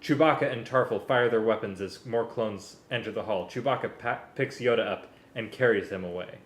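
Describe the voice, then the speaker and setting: A man's voice: on the low side, fairly quick. A man reading a script aloud and directing a music rehearsal. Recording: echoey room, loud live string music. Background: loud violin and string music.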